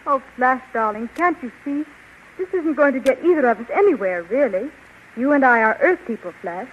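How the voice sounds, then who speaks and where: A woman's voice: sits high, expressive, normal speed, a little hiss or hum. An actress playing a weary young woman who pleads to go home, in a 1930s radio drama, recorded on a dull old radio broadcast. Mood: pleading. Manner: pleading, anxious.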